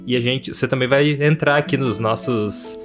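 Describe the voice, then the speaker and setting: Brazilian guy cohosting a podcast, chatty and winging it, normal pitch, guitar music clearly playing behind. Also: normal speed. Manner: informal, loosely improvised. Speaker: podcast co-host. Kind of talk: casual chat. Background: instrumental guitar music.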